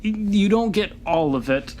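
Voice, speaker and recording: A woman's voice: medium pitch, expressive, moderate pace, mellow, a little hiss or hum. A woman refereeing a tabletop roleplaying game as game master in a casual way.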